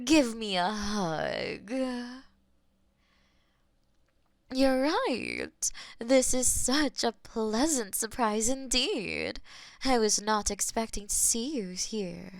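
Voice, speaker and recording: A woman voicing a possessive, taunting female demon mistress in a scripted audio roleplay, teasing and slipping into soft whispers. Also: on the high side, no echo, clean studio sound, exaggerated voice. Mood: gushing.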